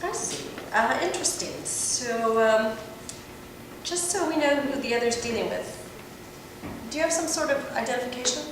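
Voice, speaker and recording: A woman's voice: a little high, lively intonation, normal speed, close to an everyday voice. A woman playing a brash, sardonic adult-film producer and agent in a script read aloud, with a wry, teasing, theatrical manner. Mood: wry, probing. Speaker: actor at a table read. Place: echoey room at a table read. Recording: distant mic in echoey, noisy room.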